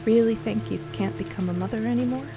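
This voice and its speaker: An actress plays a young woman in a fiction podcast, fiercely loyal and earnest. Her voice sits fairly high, and she talks in casual, emotional bursts with a teasing edge. Music plays clearly behind her. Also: quick pace, lightly acted. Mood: playful reassurance. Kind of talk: dramatic audio fiction acting, conversational. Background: music and rain sounds.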